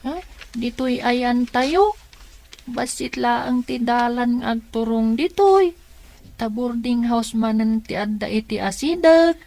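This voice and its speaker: A woman acting a slow, high-voiced curious child. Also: darkish tone. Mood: wistful wonder. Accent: Filipino. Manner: wondering, inquisitive. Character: curious, wide-eyed child talking with an aunt. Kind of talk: Ilocano radio drama acting.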